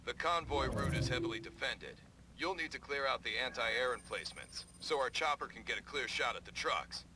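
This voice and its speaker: Businesslike strategist in a game briefing, sober, medium voice, noisy ambience behind. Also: male voice, animated, fairly quick, sharp tone. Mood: grave, businesslike. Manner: serious, matter-of-fact. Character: sober, businesslike male tactician briefing allies. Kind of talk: game cutscene mission briefing. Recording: clear background rumble of ambience.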